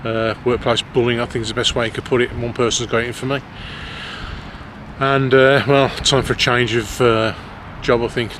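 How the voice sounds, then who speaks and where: Male amateur vlogger, Black Country accent, hesitant and rambling casual delivery, mid-pitched voice over clear car noise. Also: flat delivery, moderate pace, fairly bright tone. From West Midlands, England. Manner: hesitant, self-conscious, rambling. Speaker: amateur vlogger, lorry driver. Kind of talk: casual vlog chat to camera. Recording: clear road and vehicle noise.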